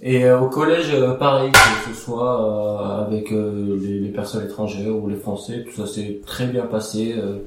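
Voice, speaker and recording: A man's voice: lowish voice, fairly even intonation, normal speed, hardly any pauses, heavy reverb, recorded from a distance, heavy background noise. A young man from Iraq, whose first language is Aramaic, answering interview questions in a casual, hesitant way with many fillers and restarts. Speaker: interview guest.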